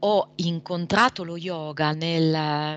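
In a dry, close sound with no echo and a quiet background, a woman speaks with a bright, sharp tone at a fairly low pitch. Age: 50s. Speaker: yoga teacher. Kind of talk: interview.

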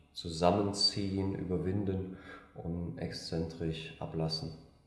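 Amid noticeable background noise and audible room echo, a man speaks with monotone, flat intonation. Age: 30s. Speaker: sports science lecturer and martial arts gym owner. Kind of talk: interview. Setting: quiet locker room at university sports center.

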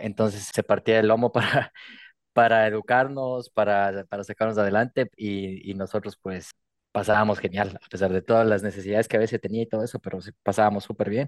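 At a fairly quick pace, a man speaks in a fairly low monotone with flat intonation, in a dry, close sound with no echo. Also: quiet background. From Ecuador, small town. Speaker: interview guest. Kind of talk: personal testimony interview.

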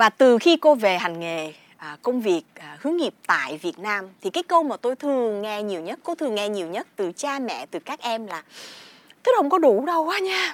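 A woman speaks at a moderate pace with a fairly high pitch. Her pitch swings very widely, and her loudness rises and falls a lot. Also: dry, close sound with no echo. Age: 40s. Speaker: career counselor. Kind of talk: educational talk to students. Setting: livestream.

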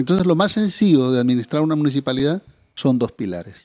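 A man's dark, mellow voice at a fairly quick pace, recorded dry and close with no echo. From Honduras, San Pedro Sula. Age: 60s. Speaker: entrepreneur and mayoral candidate. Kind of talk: interview.

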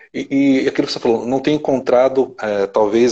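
A man speaking at a fairly quick pace. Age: 30s. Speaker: live stream host. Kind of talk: casual interview chat. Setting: online live stream. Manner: halting, repeats words.

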